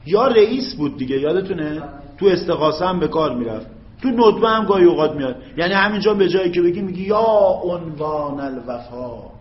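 A man teaching Arabic grammar in a classroom lecture, stretching out his example phrases in a slow, drawn-out chant and checking often whether his students follow. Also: lively intonation. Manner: checks understanding with quick questions to students. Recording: echoey, dull low-fi classroom recording.

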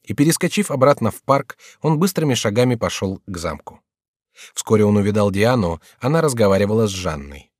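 A man giving a measured, scripted audiobook narration of a classic novel. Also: on the low side, lively intonation, dry recording, clean studio sound.

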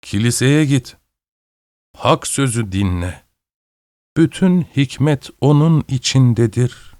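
A man voicing a stern, pious old woman who scolds and preaches slowly. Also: mid-range voice, lively intonation, mellow, smooth, no echo, clean studio sound. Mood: lecturing. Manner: slow, scolding, sermonizing.

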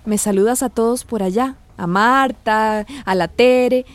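Actress as a loving mother, radio drama, slightly high voice, chatty and tender. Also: a little slow, natural voice. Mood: concerned. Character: warm affectionate middle-aged migrant mother.

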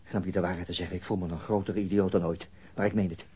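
An actor playing a reserved, self-mocking police detective with a halting way of talking, in a radio drama. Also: male voice, sits low, steady tone, dark tone, husky. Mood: firm, uneasy. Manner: hesitant, halting. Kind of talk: Dutch radio drama acting.

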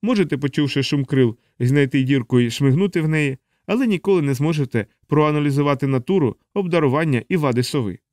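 A fussy alien helper lectures in a raised, lively voice, piling up explanations in an audiobook reading, as a male narrator puts him on. The sound is close and dry, with no room around it. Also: on the high side, fast, few pauses, no echo, voice pushed up, natural voice. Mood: lecturing. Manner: didactic, explaining at length. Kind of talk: audiobook character voice.

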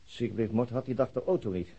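An actor playing a persistent, terse chief inspector interrogating a suspect in a radio drama. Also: male voice, medium pitch, a little fast, mellow, breathy edge. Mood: matter-of-fact. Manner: probing, terse, insistent. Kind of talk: naturalistic Dutch radio drama acting. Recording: muffled, dull radio drama recording.

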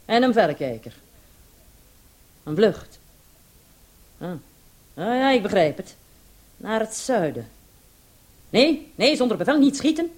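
A woman's voice: on the high side, big pitch swings, measured pace, long pauses, darkish tone. An actress playing a self-assured female police commissioner in a radio play, with a dry, authoritative manner. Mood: businesslike.

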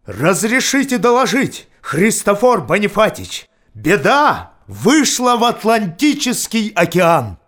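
Seeking an emphatic, dutiful first mate in an audio play, high-pitched and slow. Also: male voice, huge pitch swings, fairly bright tone, exaggerated voice. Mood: alarmed, dutiful. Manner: formal nautical reporting, emphatic. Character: earnest, alarmed male first mate of a sailboat. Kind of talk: theatrical audio play acting.

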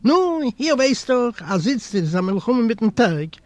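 Here is a fussy, pious old man who is easily startled, his voice pitched high as he fires off quick exclamations and questions, a man putting him on while reading a storybook aloud. The sound is dry and close, with no room around it. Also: sing-song, a little mellow, dry recording, exaggerated voice. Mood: explaining. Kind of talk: audiobook character voice.

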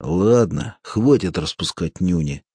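A calm, wry former seminarian, read by a male audiobook narrator, answers in a low, husky voice. He sounds mocking and unbothered. The sound is close and dry. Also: slow, dry recording, full character voice.

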